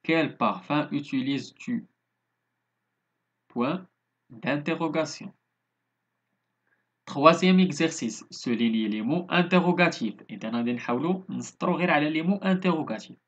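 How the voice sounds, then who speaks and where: A man with a Moroccan accent teaching a recorded grammar lesson as a primary school teacher. He reads the textbook exercises slowly and explains them in quick asides. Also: a little high, breathy edge, muffled recording.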